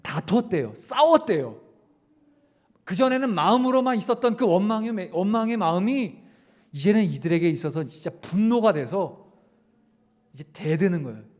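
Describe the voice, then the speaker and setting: A young man, a youth pastor, preaching a sermon at a youth service. He puts questions straight to his listeners and swings between raised emphasis and quiet asides. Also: sits high, fairly quick. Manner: addresses listeners directly with questions. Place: church service.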